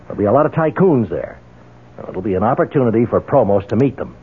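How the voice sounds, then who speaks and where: An actor playing a determined, vengeful man in a radio drama, insistent and persuasive, with a husky voice. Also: lowish voice, expressive, fast. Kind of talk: 1970s radio drama acting. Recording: narrow, phone-like old radio sound.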